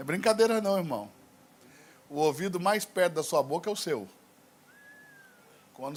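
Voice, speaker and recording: A man speaks at a moderate pace in a high pitch. His intonation is lively. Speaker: pastor. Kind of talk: sermon. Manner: animated.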